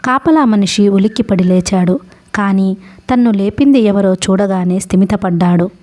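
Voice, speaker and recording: A woman narrating a translated novel in a steady, measured storybook reading. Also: medium pitch.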